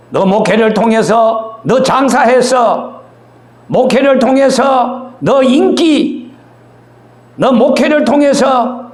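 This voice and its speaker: A male pastor preaching a sermon, dramatic and emphatic, swinging between loud and soft. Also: very high-pitched, roomy sound.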